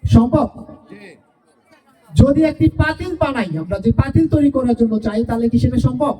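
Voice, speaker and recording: A woman's voice: sits high, normal speed, mellow. A woman teacher gives a farewell speech to parents, asking rhetorical questions and repeating her points. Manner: asks the audience rhetorical questions, repeats phrases. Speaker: school teacher addressing parents. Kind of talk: farewell speech at a school event. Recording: distant voice from far off.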